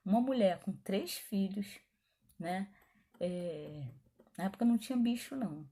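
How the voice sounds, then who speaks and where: Husky-voiced woman pastor. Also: mid-range voice, measured pace. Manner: animated, chatty, frequent asides and quoted dialogue. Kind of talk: testimony storytelling.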